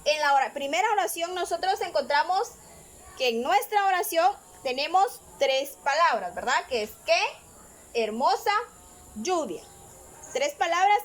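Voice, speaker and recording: A woman teaching a grammar lesson, explaining patiently step by step and often checking in with her listeners. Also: high-pitched. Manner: frequent filler pauses.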